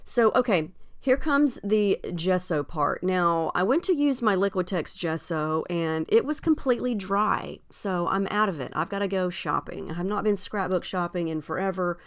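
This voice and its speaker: A woman talks through a crafting project in a relaxed, chatty way, filling her pauses with ums. Her voice is fairly low and smooth underneath, with a slight scratchiness left over from being ill. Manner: chatty, friendly, with frequent ums. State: slightly scratchy voice after illness. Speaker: scrapbooking video host. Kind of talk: casual crafting tutorial narration.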